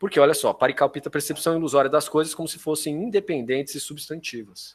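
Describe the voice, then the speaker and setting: A man's fairly high voice at a moderate pace with ordinary pitch variation, on a very clean recording with a silent background. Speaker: professor. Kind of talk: lecture. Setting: conference talk with audience. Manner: conversational, frequent fillers.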